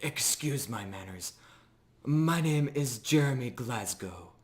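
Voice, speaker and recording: A man's voice: mid-range voice, expressive, takes it slowly, voice pushed up. A man voicing a testy undead miner from a tabletop fantasy game, exasperated and formal in an old-fashioned way. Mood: weary, courteous. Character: testy, mannered undead miner in construction hat.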